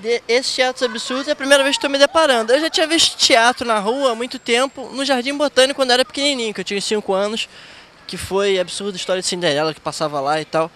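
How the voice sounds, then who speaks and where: Young Carioca man, high and bright. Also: steady tone, fast talker. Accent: Carioca Portuguese. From Rio de Janeiro. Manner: hesitant, restarts words. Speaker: passerby interviewee.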